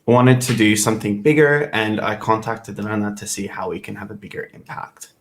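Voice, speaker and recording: Low-voiced man guest on a stream. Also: normal speed. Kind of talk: casual chat.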